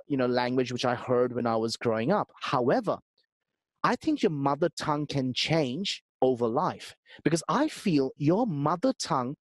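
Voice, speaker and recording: Emphatic man, higher voice, dry sound. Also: dry recording. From India, Calcutta. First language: Bengali. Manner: earnest, emphatic, repeats words when starting. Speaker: podcast guest, business strategist. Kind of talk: conversational interview.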